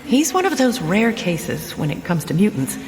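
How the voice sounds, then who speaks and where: An actress playing a caring, composed superheroine mentor, concerned and reassuring, in an audio drama. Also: female voice, mid-range voice, big pitch swings, moderate pace, darkish tone, natural voice. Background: music.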